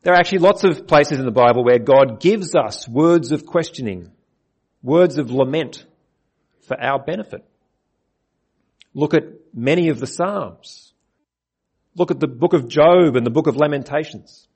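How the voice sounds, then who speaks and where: A man preaching an earnest sermon, his voice a little husky and pitched a touch high. He reads scripture aloud and asks his listeners direct questions as he explains it. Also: normal speed, long pauses, a little mellow. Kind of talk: sermon on a Bible passage.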